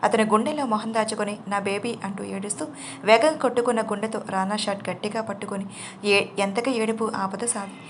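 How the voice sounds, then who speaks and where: A woman narrating a romantic drama story in an even storytelling manner. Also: mid-range voice, a little fast, slight background noise.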